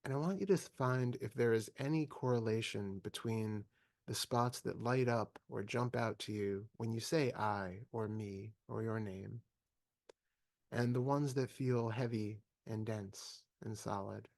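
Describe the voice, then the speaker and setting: Low-voiced man guiding a meditation, close and dry. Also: vocal fry, no echo. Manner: calm, measured, with long pauses. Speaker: meditation teacher. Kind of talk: slow guided meditation.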